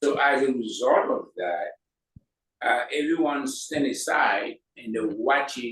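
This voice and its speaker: The speaker has a Haitian accent. The pace is fairly slow. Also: man. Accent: Haitian Creole. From Haiti, Croix-des-Bouquets. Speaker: pastor and evangelist. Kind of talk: interview.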